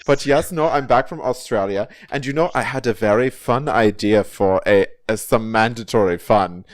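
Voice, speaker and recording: A man's voice: on the low side, normal speed, dry recording, close to an everyday voice. A man voicing a pompous, giggly mandatory fun commissioner with a put-on German-like accent, running a party game. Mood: giddy showman. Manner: exaggerated, giggly, fumbling showman.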